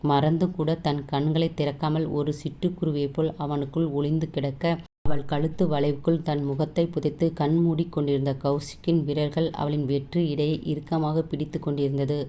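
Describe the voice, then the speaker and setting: A woman storyteller reading a romance novel aloud in a calm, even manner. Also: deep voice, moderate pace.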